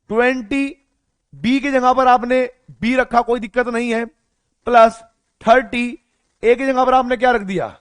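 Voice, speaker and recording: A young male chemistry teacher with a very high voice, talking through a lesson at home. His delivery is quiet and deliberately slow, and he coaxes students with questions he answers himself. The recording is close and dry, with no room echo. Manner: speaks softly and slowly on purpose. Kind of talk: online lecture.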